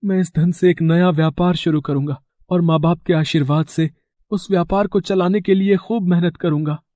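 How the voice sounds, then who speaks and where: A man plays a good-hearted young man in a cartoon story. His voice is earnest, gentle and fairly high for a man, and the sound is dry and close. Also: fairly even intonation, normal speed, no room sound, lightly acted. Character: kind, honest younger brother, young man.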